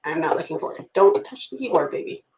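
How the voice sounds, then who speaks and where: Speaking fast and animatedly in a low-pitched, darkish voice, a woman in her late thirties rambles to her live audience as she journals at home, responding to comments as they come in. She's a planner vlogger, and the audio sounds dull and roomy.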